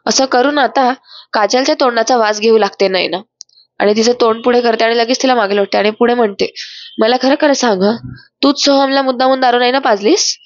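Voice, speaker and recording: A woman's voice: a little high, no room sound. A woman narrating an episode recap of a television serial in a storytelling voice-over. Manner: storytelling, linking with repeated fillers. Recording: dry, slightly dull voice-over.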